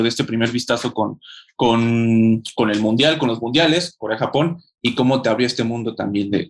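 A man in his thirties hosting a casual talk and asking a guest questions, speaking quickly and eagerly. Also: mid-range voice. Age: 30s. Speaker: host. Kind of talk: podcast chat.

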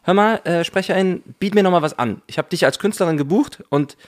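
A man hosting an interview, a voice actor and dubbing director who speaks briskly and animatedly, turning to address the listeners. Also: high-pitched. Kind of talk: casual interview.

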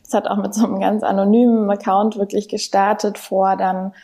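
A woman's voice: medium pitch, level tone, brisk, dark tone. A woman in her twenties, a content creator, chatting casually and rambling as a podcast guest on a call. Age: 20s. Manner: chatty, rambling with many fillers. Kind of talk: casual interview talk. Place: remote, on a call from home city.

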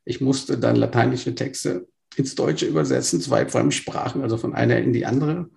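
Brief: gravel-voiced man in his fifties, born in Burma, interview guest, halting and thoughtful. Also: medium pitch, fairly even intonation, darkish tone. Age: 50s. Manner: hesitant, many fillers and restarts. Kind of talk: conversational interview storytelling.

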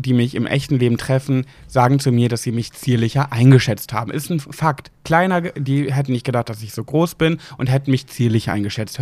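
Male co-host, chatty and easily sidetracked storyteller, mid-pitched, dry close mic. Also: a little mellow, dry recording. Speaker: podcast co-host. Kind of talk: casual chat.

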